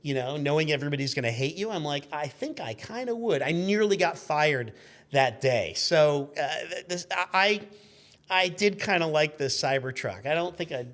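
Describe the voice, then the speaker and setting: Higher-pitched middle-aged man telling rambling anecdotes. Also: animated, normal speed, fairly bright tone. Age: 50s. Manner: rambling, acts out quoted exchanges. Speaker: guest, car magazine editor. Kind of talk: animated anecdotal storytelling, casual chat.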